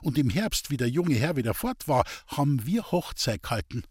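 A man's voice: mid-range voice, sing-song, normal speed, breathy edge, no echo, clean studio sound. A man voicing a weary, bitter old village woman speaking in Bavarian dialect in a storybook reading. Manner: plaintive, bitter, resigned.

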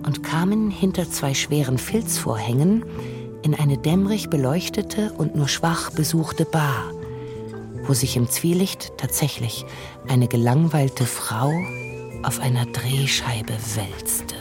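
A man narrating a literary radio play in a measured, calm way. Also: medium pitch, over music.

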